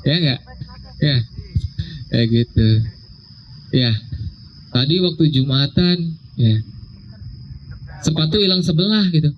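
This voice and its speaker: A young man giving a casual religious talk, slowing down to stress key words and checking in with "ya". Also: fairly high pitch. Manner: conversational, drawn-out emphasis, frequent "ya". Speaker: religious speaker. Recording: dull lo-fi sound with faint noise.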